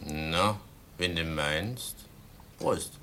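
An actor in a German radio play, playing a blunt, nosy village tavern regular with a folksy manner. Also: male voice, low-pitched, very slow, pushed and bright, a little hiss or hum, heavily acted. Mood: hearty.

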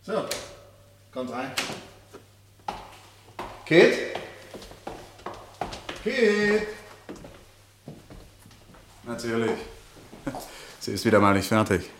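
An actor playing a capable lawyer and proud, devoted husband in a German radio play. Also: male voice, medium pitch, very animated, drawn-out words, long pauses, heavily acted. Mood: hospitable, breezy.

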